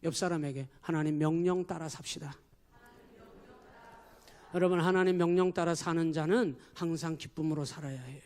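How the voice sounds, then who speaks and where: A man's voice: a little high, steady tone, moderate pace, pauses often, darkish tone. A man preaching a sermon as pastor, emphatic and forever addressing the congregation. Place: church.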